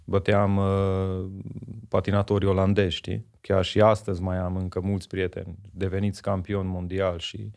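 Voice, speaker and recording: A man's voice: sits low, completely flat delivery, vocal fry, darkish tone. A man in his forties, a guest in a podcast conversation, recalling things thoughtfully and often tagging sentences with a questioning aside. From Romania, Miercurea Ciuc. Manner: thoughtful, tags sentences with "you know?". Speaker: guest, former speed skater.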